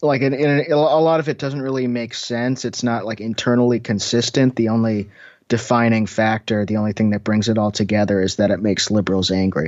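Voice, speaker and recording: The speaker is a man with a medium pitch. He talks fairly quickly, with ordinary pitch variation. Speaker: magazine writer. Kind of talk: casual interview. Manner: hesitant, filler-heavy.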